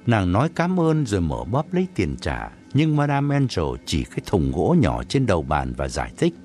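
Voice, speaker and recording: A man narrating a story in an expressive, dramatic reading. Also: deep voice, normal speed, faint music behind. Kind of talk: audiobook narration.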